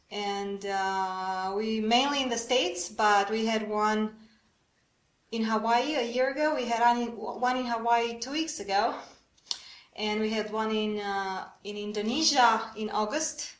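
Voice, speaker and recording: A woman from Romania, leading a church workshop on prayer and drawing the audience in with questions. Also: medium pitch. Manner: engaging, asks the audience questions. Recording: echoey room.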